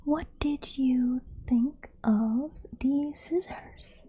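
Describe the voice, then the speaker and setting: A woman doing an ASMR roleplay in a gentle, reassuring, breathy whisper, speaking softly and slowly close to the microphone. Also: high-pitched, a little hiss or hum. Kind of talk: soft-spoken ASMR roleplay.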